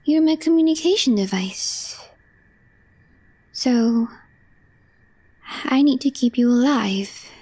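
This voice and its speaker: A woman playing a calm, deadpan young female coworker with a crush in an ASMR roleplay, speaking softly and breathily in measured, short phrases. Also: sits high, exaggerated voice, poor audio. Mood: quietly fond. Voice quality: soft, breathy, half-whispered. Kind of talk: intimate ASMR roleplay, scripted.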